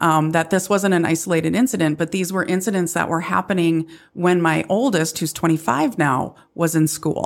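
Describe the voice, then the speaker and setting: A woman speaks in an ordinary speaking voice, fairly low in pitch, with very even loudness and ordinary pitch variation. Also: moderate pace. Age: 50s. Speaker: podcast co-host, parent. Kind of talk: casual chat. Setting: video call.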